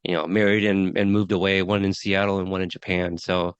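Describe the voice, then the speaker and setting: A man's voice: deep voice, level tone, a little fast, smooth, no room sound, highs cut off. A man in his thirties hosting a podcast, chatting casually with many fillers and restarts. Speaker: podcast host. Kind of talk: casual interview chat.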